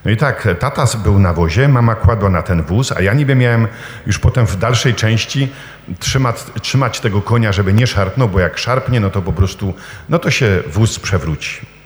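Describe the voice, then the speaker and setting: A man preaching a sermon in a lively storytelling manner, with rhetorical questions and touches of humor. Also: fairly low pitch, normal speed, reverberant, in a large hall. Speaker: priest preaching.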